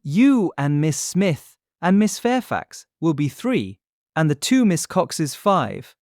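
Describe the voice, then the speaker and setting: An actor playing an eager, gallant young gentleman, smooth and persuasive, in an audiobook period drama. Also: a little high, sing-song, takes it slowly, dry recording, clean studio sound, full character voice. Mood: eager planning. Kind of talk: audiobook full-cast period drama acting.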